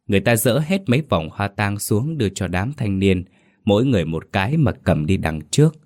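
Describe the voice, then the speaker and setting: Deep-voiced storyteller man. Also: lively intonation, a little fast, a little mellow. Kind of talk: scripted ghost story narration.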